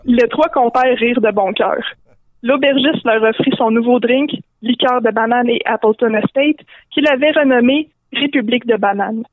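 A woman with a Québécois French accent narrating a comic story in a lively way. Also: fairly high pitch, moderate pace, no echo. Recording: dry narrow phone-line sound.

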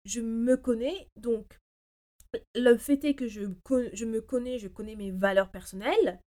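A woman hosting a personal development show, talking informally and emphatically to listeners, swinging between loud and soft and dropping English phrases into her speech. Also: on the high side, unhurried. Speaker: personal development podcast host. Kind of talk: casual motivational monologue, informal address to listeners.

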